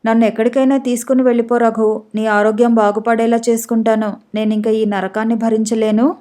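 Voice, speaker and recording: A woman's voice: on the high side, level tone, fairly quick, dark tone, close to an everyday voice. A woman reading the part of a tearful, heartbroken young married woman in a pleading way, in an audiobook story.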